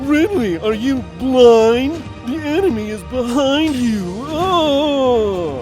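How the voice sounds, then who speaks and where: A man's put-on character voice, extremely high-pitched and very slow, with clear music in the background. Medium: machinima. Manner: menacing, theatrical.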